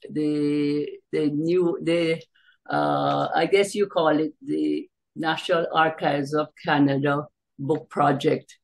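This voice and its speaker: An older woman from Jamaica recounting her family history in an interview, hesitantly, with long pauses, on a video call from a room at home. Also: low voice, steady tone, vocal fry. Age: older, around 70s. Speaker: interview guest, author. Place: small bright room at home, indoors. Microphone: computer mic on a video call.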